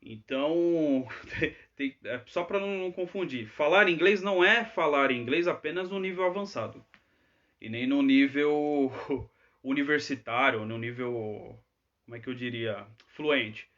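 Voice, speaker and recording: A man's voice: mid-range voice, a little slow, fairly bright tone, dull audio. A man teaching English in a live Q&A, chatty and always checking in with tag questions. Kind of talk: live Q&A lesson.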